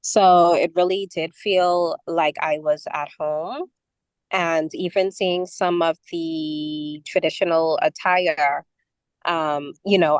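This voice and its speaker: A woman's voice: sits low, dry recording, rough recording. A woman from the Bahamas, talking casually over a call from a vehicle on the road, with many fillers. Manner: conversational, with frequent fillers. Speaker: community member sharing travel experience. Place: in a moving vehicle.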